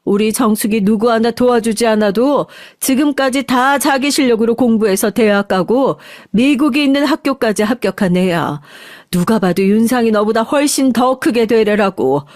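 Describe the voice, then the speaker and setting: A woman's voice: mid-range voice, normal speed, dry recording, clean studio sound, lightly acted. A woman voicing a fierce, protective middle-aged mother who stands up for her daughter. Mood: indignant. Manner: shouting, indignant.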